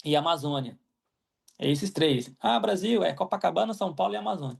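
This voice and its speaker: A young Brazilian guest from Mato Grosso, working as an agronomist in Ireland, answers interview questions in a casual way. He speaks Brazilian Portuguese with a fairly high, husky, creaky voice, expressive and brisk, and leans heavily on fillers, "né?" tags and restarts.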